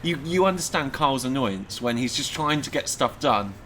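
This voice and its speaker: A man's voice: mid-range voice, expressive, moderate pace, fairly bright tone, slight background noise. A man co-hosting a podcast in casual chat, chatty and giggly, rambling as he goes. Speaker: podcast co-host.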